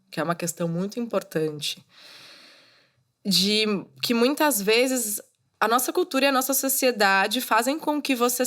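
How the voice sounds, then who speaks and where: Her fairly high, fairly bright voice carries a motivational solo podcast. She's a woman in her thirties who hosts alone, talking casually and coaching the people listening.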